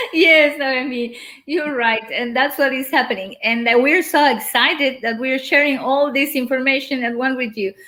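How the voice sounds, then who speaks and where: A woman with a Spanish accent speaks at a high pitch and moderate pace with ordinary pitch variation and hardly any pauses. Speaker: education program coordinator. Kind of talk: online class introduction.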